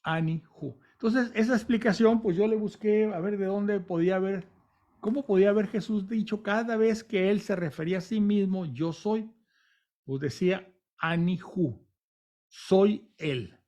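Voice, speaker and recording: A man's voice: high-pitched, dark tone. A man reading a Bible passage and explaining it, thinking aloud with restarts and often checking in with the listener. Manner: pauses and restarts words while thinking aloud. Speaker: Bible teacher.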